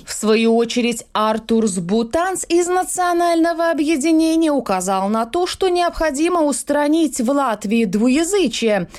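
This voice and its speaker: A woman radio reporter files a scripted political story, her delivery clear and formal. Her voice sits a little above the usual range for a woman. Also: sits high, animated, a little slow, hardly any pauses, a little mellow.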